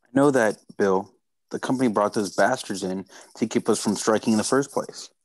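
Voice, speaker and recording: A man's voice: fairly low pitch, normal speed, dry recording, natural voice, rough recording. A man playing a blunt, stubborn, bigoted miner in his forties in a script table read. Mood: bitter, adamant.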